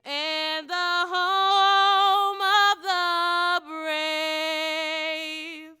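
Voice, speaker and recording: A woman sings a national anthem solo, holding each note long in sustained, drawn-out phrasing. Her voice is high and bright. A long hall reverb and music surround her. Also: flat delivery. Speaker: anthem singer.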